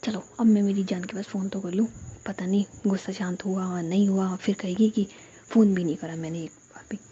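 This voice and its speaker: A woman's voice: medium pitch, fairly even intonation, fairly quick, mellow, muffled recording, slight background noise, close to an everyday voice. A woman voicing a playful young woman in love, with a dramatic, sulky way of talking.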